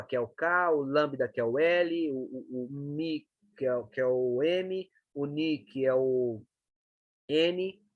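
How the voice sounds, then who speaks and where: A man teaches a lesson on reading Greek letters. His voice sits a bit high, and the recording is dry and close with no room sound. He explains patiently and keeps checking in with short tag questions. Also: dry recording. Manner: explanatory, frequent checking tags like "né" and "tá".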